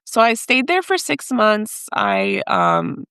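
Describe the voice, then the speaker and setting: Her mid-range voice swoops wildly in pitch, gravelly yet fairly bright and clean, as she takes it slowly; the studio-quality recording has no room sound. A podcast guest raised in the United States by Mexican parents, she tells her story hesitantly and emotionally, mixing in Spanish phrases.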